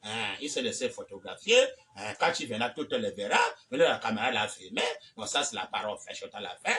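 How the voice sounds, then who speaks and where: A man preaching a fiery sermon, swinging from low muttering to shouted high exclamations and repeating phrases. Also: lively intonation, fast, far from the mic. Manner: repeats phrases with frequent "hein?" and "eh ben".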